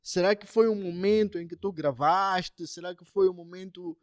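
A man's voice: high-pitched, normal speed, no echo, studio quality. A man hosting a casual interview, speaking informally and mixing English slang into his questions. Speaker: interviewer, host.

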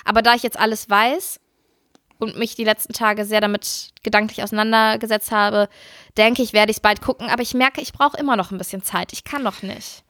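A woman co-hosting a podcast, telling stories in a casual, animated way and laughing often. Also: medium pitch, a little fast, dry recording, clean studio sound. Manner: animated storytelling, acts out her sisters' voices. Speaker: podcast co-host.

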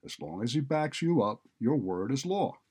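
A man's voice: mid-range voice, big pitch swings, normal speed, a little mellow, breathy edge, voice pushed up. A man voicing a cynical, bullying college administrator who talks in a blunt, sardonic, browbeating way. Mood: cynical, breezy.

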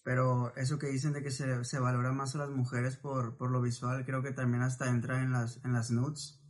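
Flat-voiced man hedging in a podcast chat. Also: medium pitch, moderate pace. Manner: tentative, hedging before his points.

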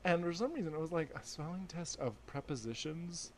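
A woman's voice: deep voice, fairly quick, a little hiss or hum. Young woman cohost, bouncy voice all over the place, casual chatty storyteller. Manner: chatty, animated storyteller with frequent laughs. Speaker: podcast co-host. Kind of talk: casual chat.

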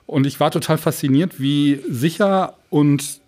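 A man's voice: a little high, measured pace, mellow. A man co-hosting a podcast in a casual, chatty style. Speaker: podcast co-host.

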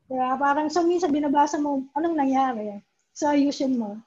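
A woman's voice: high-pitched, normal speed, a little mellow. A woman, a comics writer, chatting as an interview guest and mixing English into her talk, often asking "di ba?". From Philippines. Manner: chatty, mixes English into Tagalog, keeps asking "di ba?". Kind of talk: casual conversational interview. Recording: dull lo-fi recording.

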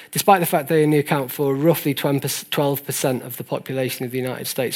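A man lecturing in an earnest, didactic way, stressing key points as he explains figures to an audience. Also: mid-range voice. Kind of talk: explanatory presentation of statistics to an audience.

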